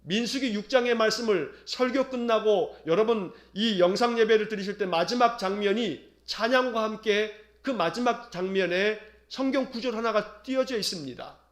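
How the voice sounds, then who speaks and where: A man pastor preaching a sermon in an earnest, solemn way, with slow and tender quoted words. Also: sits high, echoey room.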